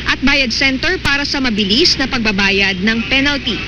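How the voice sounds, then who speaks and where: A woman field reporter reading a scripted news report in a measured, formal delivery. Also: sits high. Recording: loud hiss on radio broadcast.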